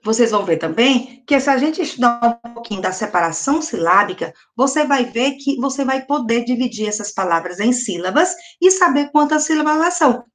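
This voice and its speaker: A middle-aged Brazilian woman teaching a recorded first-grade lesson, patiently asking questions and sounding words out syllable by syllable. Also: fairly high pitch. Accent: Brazilian Portuguese. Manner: patient, asks children questions and answers them. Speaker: primary school teacher.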